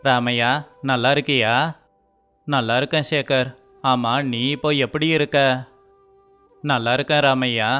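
A man's voice: medium pitch, fairly even intonation, a little slow, pauses often, sharp tone, clear, resonant tone, faint music behind. A man voicing the brothers and cousin in a dubbed village story, arguing and pleading in everyday dialogue. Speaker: voice actor for all male characters.

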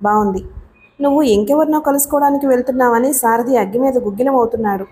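A woman reading an audiobook voices a gentle, timid young woman who speaks softly. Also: on the high side, quick pace, slight background noise, close to an everyday voice. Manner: soft-spoken.

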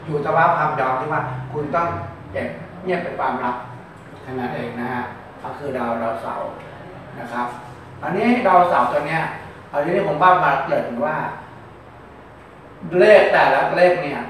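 A man's voice: fairly high pitch, moderate pace, pauses often, fairly bright tone, a little hiss or hum. A man giving a casual fortune-telling talk. He explains at length, often repeats words, and reads out long lists of numbers. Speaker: fortune teller. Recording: very echoey room, mic far off.

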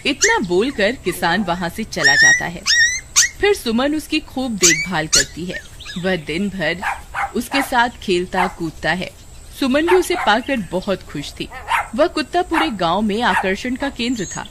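Expressive woman narrating a story. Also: mid-range voice, unhurried, very noisy.

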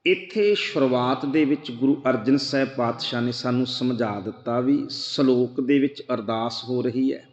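A man preaching a Sikh scripture sermon, chanting verses slowly and then explaining them earnestly. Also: mid-range voice, echoey room, in a large hall, dull audio. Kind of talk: slow devotional sermon.

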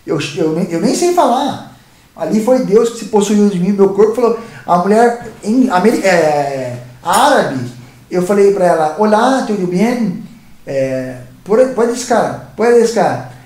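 A man's voice: high-pitched, big pitch swings, unhurried, a little mellow. A man with a Brazilian Portuguese accent, hosting his channel and telling stories in a rambling, casual way, often repeating and restarting words. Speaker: YouTube channel host. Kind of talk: casual storytelling monologue. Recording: roomy echoey sound.

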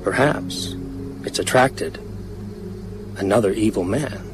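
A man's voice: on the low side, slow pace, loud music behind the voice. An actor playing a brooding, reserved widowed man in an understated, hesitant way in a radio drama. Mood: uneasy.

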